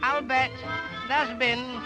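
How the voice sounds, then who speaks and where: A man with a Lancashire accent sings a cheeky, bawdy music-hall comic song. His voice is high and his delivery is slow and unhurried. A loud band plays behind him. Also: flat delivery. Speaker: comic singer.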